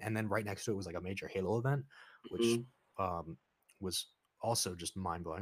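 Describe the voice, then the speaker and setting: A man with an American accent speaks in an unremarkable speaking voice, fairly low in pitch with ordinary pitch variation, on a very clean recording with a silent background. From North America. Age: 20s. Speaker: esports commentator. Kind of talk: casual chat. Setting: live stream.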